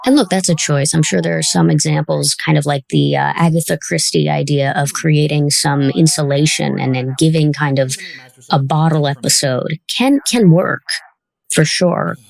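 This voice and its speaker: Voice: medium pitch, moderate pace, creaky. A podcast host in a casual interview and commentary, talking in a thoughtful, encouraging way as the show's creator.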